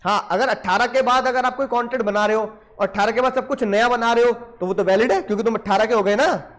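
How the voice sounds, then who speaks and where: A man teaching law in an animated lecture, on the terms, who keeps asking his students questions and answering them himself. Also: extremely high pitch, fast. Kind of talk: lively Hindi lecture.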